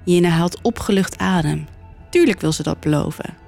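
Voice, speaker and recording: A woman podcast host narrating a folk tale in a clear, steady storytelling manner. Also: fairly low pitch, normal speed, soft background music.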